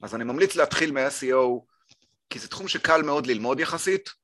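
A man's voice: mid-range voice, lively intonation, a bit bright. A man in his forties with an Israeli accent, explaining things casually as a podcast guest, with frequent hesitations. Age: 40s. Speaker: podcast guest, marketing consultant.

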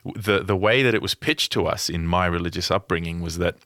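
A man hosting a podcast, speaking in a thoughtful, measured way. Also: sits low, a bit bright, no room sound, studio quality. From Australia. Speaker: podcast host. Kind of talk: casual podcast conversation.

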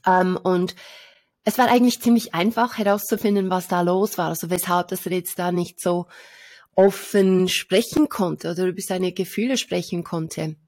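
A woman visualization coach co-hosting a casual weekly talk, telling a client story with pauses and restarts. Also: fairly low pitch, steady tone, darkish tone, dry recording, studio quality. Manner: thoughtful, many fillers and restarts. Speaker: visualization coach, podcast co-host. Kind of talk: casual chat.

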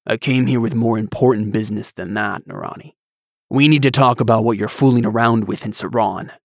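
A man voicing a large, stern male war god in an audiobook, with a gruff, disapproving manner. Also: on the low side, brisk, darkish tone, dry recording, studio quality. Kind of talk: audiobook character acting.

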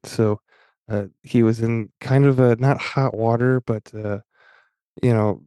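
A man's voice: fairly low pitch, vocal fry, warm tone, no echo. A man hosting a podcast, talking casually with many fillers and restarts and reading aloud from an article. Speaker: podcast host.

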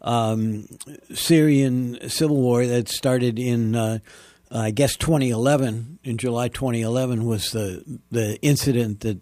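Halting male podcast host, dark voice. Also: mid-range voice, fairly even intonation, dry recording, clean studio sound. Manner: halting, many fillers. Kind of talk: interview.

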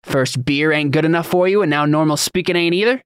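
A man's voice: fairly high pitch, fairly quick, clear, resonant tone, dry recording, studio quality, voice pushed up, natural voice. A man voicing a reckless young dockworker bully in a fantasy audiobook, taunting and swaggering in slangy speech. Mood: contemptuous.

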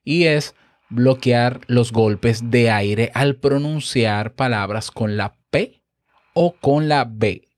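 A man hosting a podcast lesson, explaining with animated energy and often checking in with the listener on a close microphone. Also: mid-range voice, takes it slowly, no room sound. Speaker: podcast host and instructor. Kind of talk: instructional podcast talk. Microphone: close studio microphone with compressor.

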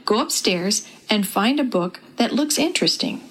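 A woman voicing a jolly, steady father of two, calm and thoughtful in tone. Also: medium pitch, moderate pace.

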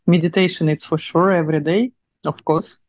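A woman's voice: sits low, fairly even intonation, moderate pace, a little mellow, dry recording, studio quality. A young adult woman from Russia speaking English with a Russian accent, chatting as an interview guest with many fillers and laughs. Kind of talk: casual interview chat.

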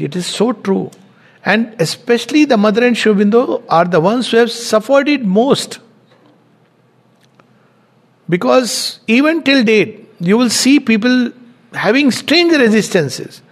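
Man, gravelly, fairly high voice, slow reading of quotes, emphatic commentary. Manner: reads quoted passages slowly, then comments with rising emphasis. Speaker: spiritual teacher giving commentary. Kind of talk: reflective spoken commentary on scripture.

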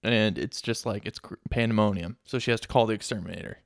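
A man co-hosting a casual movie podcast, adding plot details in a halting, thoughtful way with many fillers. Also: fairly low pitch, gravelly, no room sound, studio quality. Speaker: podcast co-host. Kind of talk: casual movie recap chat.

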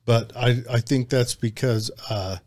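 Male talk show co-host, Appalachian hillbilly accent, folksy and rambling, medium-pitched, casual chat. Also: steady tone, a little slow, darkish tone. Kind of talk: casual chat, reading out listener comments.

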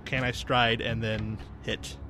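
A man's voice: medium pitch, level tone, slow pace, background noise. A man playing in a tabletop game, describing his character's actions with energy. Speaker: player.

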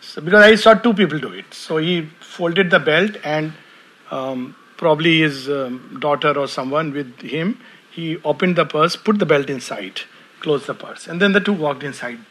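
A man's voice: on the high side, moderate pace, sharp tone. A man giving a spiritual talk, telling anecdotes and chuckling often as he speaks. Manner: chuckles often while storytelling.

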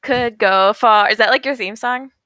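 A woman in a casual podcast chat with friends, tossing in quick jokes. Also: a little high, bright, forceful tone. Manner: quick jokes, laughs easily.

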